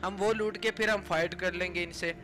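A man's voice: high voice, fairly even intonation, normal speed. A man giving casual, explanatory gameplay commentary, retelling what was said between players. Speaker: gaming YouTuber. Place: voice-over over mobile game footage. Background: music.

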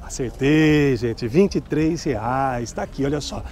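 His medium-pitched voice is slow and darkish as this middle-aged Brazilian vlogs a street market at night. He keeps quizzing vendors on prices, chattily selling the clothes in a cheerful walkthrough.

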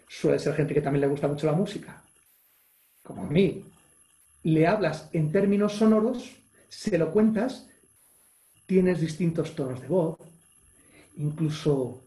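Spanish-male coach, online webinar, energetic and demonstrative, warm mellow tone, roomy echo over a video call. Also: on the high side. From Spain. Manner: energetic, acts out gestures and exclamations, reads chat questions aloud. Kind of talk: live online leadership webinar.

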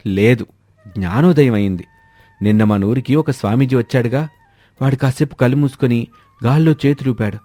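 A man's voice: mid-range voice, normal speed, pauses often, dark tone, no room sound, natural voice. A man playing a scheming idler husband who poses as a holy swami in a moral story, talking in a grandiose, persuasive, preachy way. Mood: scheming, boastful. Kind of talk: acted Telugu moral story dialogue. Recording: music behind a dry voice.

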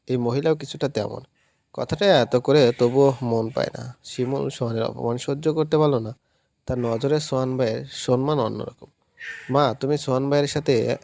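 A man narrating a romantic story in steady, scripted audiobook style. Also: mid-range voice, gravelly.

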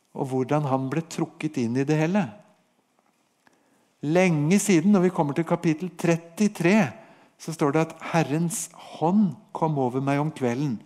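A man's voice: fairly high pitch, darkish tone. Norwegian man retelling scripture vividly. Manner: vivid storytelling, acts out God's words to the prophet. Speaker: Bible teacher and podcast host. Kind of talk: podcast Bible teaching, retelling scripture.

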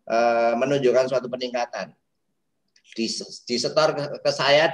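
A man's voice: medium pitch, a bit bright, low-quality recording. A man speaking as an autism therapist in an interview, explaining his work like a storyteller who acts out quotes and mixes in English phrases. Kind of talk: talk show interview.

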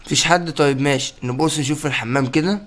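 A young man with an Egyptian accent giving excited let's-play commentary, often exclaiming and laughing. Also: a little high, racing. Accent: Egyptian Arabic. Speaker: gaming YouTuber.

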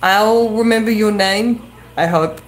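A woman's voice: medium pitch, measured pace. A woman from New Zealand with a New Zealand accent and a slight English tinge, reading viewer comments aloud off camera and stumbling over foreign names. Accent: New Zealand with some English influence. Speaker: co-host reading viewer chat. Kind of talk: casual live-stream chat. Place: same small room, off camera behind the camera.

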